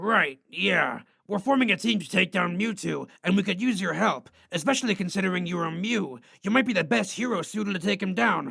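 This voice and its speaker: Using a cartoonish character voice, a man talks at a fairly quick pace and a high pitch. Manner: dry, exasperated.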